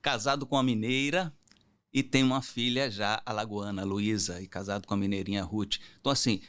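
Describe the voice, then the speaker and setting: A man's voice: fairly low pitch, steady tone, fairly quick, fairly bright tone, clean tone. Teacher guy from goiás, 50s, thoughtful, kinda searching for words as he talks. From Goiás, Brazil. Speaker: teacher, guest. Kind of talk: casual interview chat.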